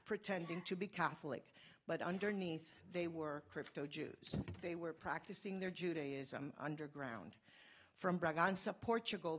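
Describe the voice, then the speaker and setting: Cuban-born woman giving a talk, lowish voice, talks fast from the heart. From Cuba. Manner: fast, earnest, personal storytelling. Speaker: conference speaker. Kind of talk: conference talk.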